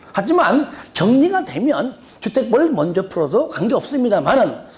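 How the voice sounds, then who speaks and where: His tone is animated as the man talks. The pitch swings very widely. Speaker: lecturer at a cram school. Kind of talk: lecture.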